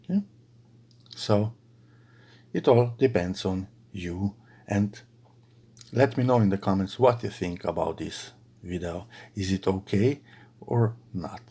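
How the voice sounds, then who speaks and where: A middle-aged man from Slovenia with a Slovenian accent, chatting casually to his followers while he crochets at home, halting with many fillers. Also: low voice, dark tone, husky. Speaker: crochet video creator. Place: bedroom at home.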